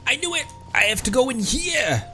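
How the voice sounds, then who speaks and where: A man's voice: extremely high pitch, big pitch swings, moderate pace, pushed and bright. A man giving casual, joking, sarcastic commentary as he streams a game. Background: faint game music.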